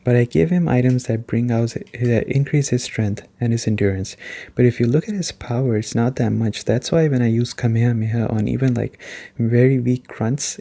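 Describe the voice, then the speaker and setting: Male ASMR gaming reviewer: soft-spoken, warm and relaxed tone, informal rambling explanations. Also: medium pitch. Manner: rambling, explanatory, often checking in with "right?".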